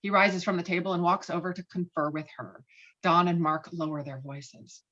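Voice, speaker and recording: A woman's voice: on the low side, steady tone, normal speed, fairly bright tone. A woman reading stage directions as scripted narration, heard through muffled call audio.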